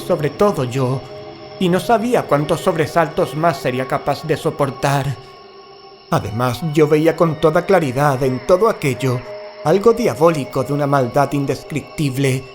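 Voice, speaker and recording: An actor playing a frightened, cautious paranormal investigator in a horror audio drama, grave and dramatic. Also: male voice, a little high, close to an everyday voice. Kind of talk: first-person horror audio drama narration and acting.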